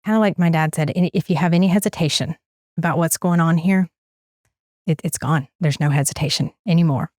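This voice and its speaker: A woman's voice: low voice, fairly quick, a little mellow, no room sound, clean studio sound. A young woman, a mother, giving an earnest interview testimonial, often repeating words as she searches for them. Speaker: guest, parent of a toddler.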